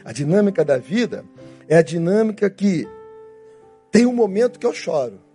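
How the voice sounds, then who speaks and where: A Brazilian male pastor voicing a patient, gentle teacher explaining life to a disciple in a sermon retelling. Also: high voice, very animated, moderate pace, soft background music. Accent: Brazilian Portuguese. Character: calm, patient teacher speaking to his disciple.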